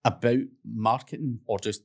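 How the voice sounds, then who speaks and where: A man's voice: mid-range voice, steady tone, moderate pace, creaky. A man as a podcast guest, chatting casually, self-mocking and swearing. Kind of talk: casual chat.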